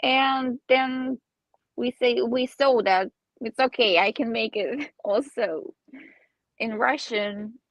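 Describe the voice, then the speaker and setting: A woman in her twenties from Armenia, a native Armenian speaker, answering interview questions in halting English and searching for words. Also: on the high side, fairly bright tone, no room sound, poor audio. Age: 20s. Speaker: singer guest.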